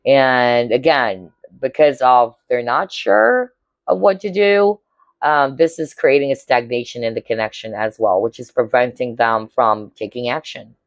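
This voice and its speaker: Hoarse woman giving a tarot reading. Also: very deep voice, a little slow, dry recording. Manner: chatty, keeps checking in with "all right?" and "okay?". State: hoarse, voice cracking. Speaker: tarot reader. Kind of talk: casual pick-a-card tarot reading to viewers.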